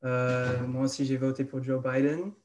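A man in his twenties with an American accent, introducing himself on a video call in a relaxed, hesitant way. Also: mid-range voice, normal speed. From Chicago, United States. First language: English. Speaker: guest. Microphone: video call, earphones.

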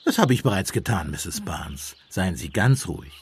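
Lively, husky fatherly priest. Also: low voice, normal speed, full character voice. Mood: soothing, kindly. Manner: soothing, kindly, mildly sly. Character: gentle, fatherly village priest, quietly persistent. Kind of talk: German radio play acting.

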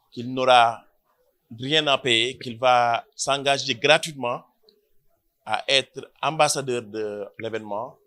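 Senegalese man, thirties, press conference, measured explanatory delivery, tense bright tone. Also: mid-range voice. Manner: switches between French and Wolof, measured and explanatory. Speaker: event organizer. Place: indoor press room before a banner. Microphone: cluster of handheld press mics.

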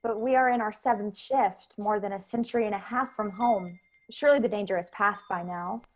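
A young woman acting a composed, devoted lower-caste starship attendant in a radio play, measured and formal in both dialogue and narration. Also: close to an everyday voice. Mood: calm, deferential. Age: young adult. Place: bedroom, over a video call.

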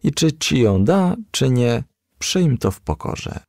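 A man's voice: mid-range voice, very animated, takes it slowly, vocal fry, no echo, clean studio sound, voice pushed up, full character voice. Man voicing a kind, frank motherly advisor woman. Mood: consoling, admonishing. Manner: gently admonishing, coaxing.

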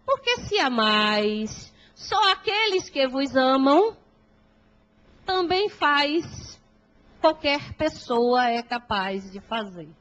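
Slow, high-voiced Brazilian woman lecturing. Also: sing-song, a bit bright. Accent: Brazilian Portuguese. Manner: slow, emphatic, with rhetorical questions to the audience. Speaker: spiritist lecturer. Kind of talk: gospel lecture to an audience. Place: large auditorium with audience. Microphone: handheld microphone. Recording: dull lo-fi hall recording.

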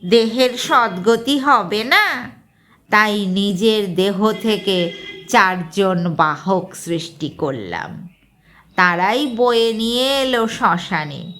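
A woman voicing a sly ghostly dead man with a shrill, cracked voice, speaking slowly and eerily. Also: expressive, fairly bright tone. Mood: gloating. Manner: slow, eerie, gloating delivery.

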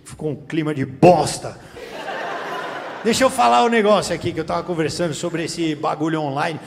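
A man from Brazil doing a stand-up comedy set on a theater stage with a handheld mic, teasing the crowd in profane slang. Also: on the high side. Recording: reverberant theater, faint room noise. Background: audience laughter.

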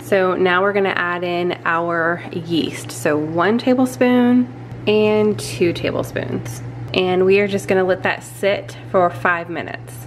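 A woman's voice: on the low side, slow, slight background noise. A woman casually talking through a bread recipe in her home kitchen, chatty and a little self-deprecating. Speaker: vlogger. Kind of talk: casual cooking walkthrough.

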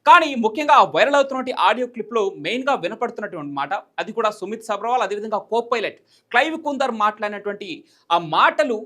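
High-pitched, fast-talking Telugu man presenting news. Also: expressive, a bit bright. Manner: repeats and rephrases points in everyday terms, mixing in English words. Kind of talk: explanatory news commentary.

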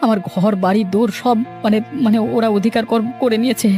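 A man voicing a desperate poor villager in a cartoon, pleading in a halting, servile way. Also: sits high, fairly even intonation, mellow, faint music behind, pitched above the performer's own voice, natural voice.

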